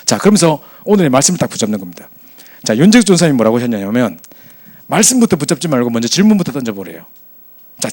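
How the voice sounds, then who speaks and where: A man preaching to young adults as their pastor, telling a story in a chatty, animated way. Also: medium pitch.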